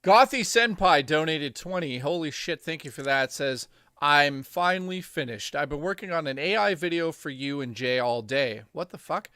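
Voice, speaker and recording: A man's voice: a little high, expressive, moderate pace, sharp tone, smooth, no room sound, clean studio sound, a faint crowd. A man co-hosting a casual livestream, reading viewer donations aloud with crude jokes while losing his voice. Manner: crude, joking, reads messages aloud.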